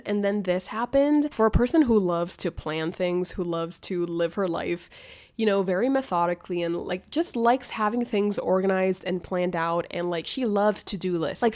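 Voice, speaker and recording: A young woman vlogging a casual life update, chatty and rambling, her voice nasal and congested from a cold. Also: medium pitch. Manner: chatty, rambling, affectionate, laughs often. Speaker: booktuber vlogger.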